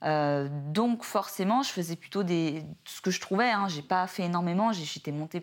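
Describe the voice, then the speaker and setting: The recording is very clean and the background is silent. Her pitch sits fairly low for a woman and varies in an ordinary way. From France, Lyon. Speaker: fitness content creator. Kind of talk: casual interview chat. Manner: halting.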